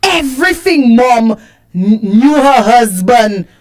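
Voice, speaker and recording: A woman's voice: on the high side, animated, slow, a little mellow, recorded from a distance. A woman co-hosting a radio talk show, chatting casually with emphatic, repetitive phrasing. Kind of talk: casual on-air chat.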